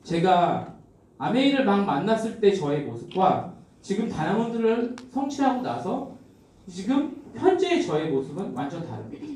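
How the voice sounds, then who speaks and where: A middle-aged man gives a motivational seminar talk, telling his stories with lively rises and falls and a mellow, soft-edged tone. He keeps turning to address the audience directly. His voice bounces around a very echoey hall, picked up from a distance. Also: sits high, normal speed. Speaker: seminar speaker.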